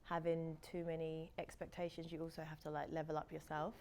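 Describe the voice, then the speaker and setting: Quick, direct woman hosting a date. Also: low-pitched, level tone, a little mellow. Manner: direct, teasing questioner. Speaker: dating show host. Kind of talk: dating show interview.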